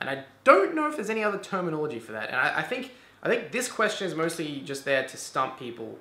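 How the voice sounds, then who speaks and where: With a Queensland accent, this speaker talks at a very fast pace, the pitch swinging very widely up and down. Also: man. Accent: Australian (Queensland). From Queensland, Australia. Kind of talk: casual talk to camera. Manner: hesitant, many fillers.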